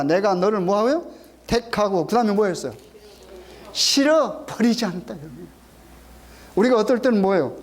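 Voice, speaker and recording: In a church sanctuary, a middle-aged pastor's high-pitched, darkish-toned voice delivers a sermon. Emphatic throughout, he repeats points and keeps firing call-and-response questions at the congregation.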